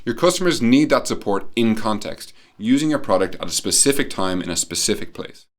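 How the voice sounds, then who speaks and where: Low-voiced man giving a conference presentation. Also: lively intonation, a little fast. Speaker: conference speaker, company employee. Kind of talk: prepared conference presentation with slides.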